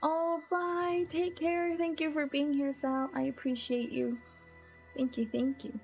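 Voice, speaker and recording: A woman's voice: sits high, little pitch movement, measured pace. A woman live-streaming a game in a playful, chatty way, welcoming her viewers as she plays. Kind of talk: casual chat while playing. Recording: game music behind the voice. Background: game music.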